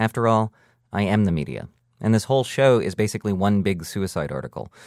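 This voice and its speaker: A man with a plain, everyday voice speaks at a fairly low pitch and a fairly quick pace, on a very clean, dry, close recording with a silent background and no echo. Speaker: radio reporter. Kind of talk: scripted narration.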